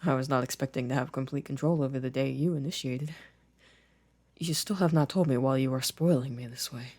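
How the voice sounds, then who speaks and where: A man playing a gentle, introspective boyfriend in an intimate ASMR roleplay, soft-spoken with careful, formal wording. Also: mid-range voice, a little fast, lightly acted. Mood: tender, teasing. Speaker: audio roleplay voice actor.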